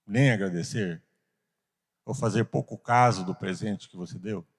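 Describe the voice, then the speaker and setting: Earnest low-voiced Brazilian man teaching. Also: slightly rough. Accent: Brazilian Portuguese. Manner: earnest, rhetorical questions, slow emphatic pauses. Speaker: Sunday school teacher. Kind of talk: Bible class teaching.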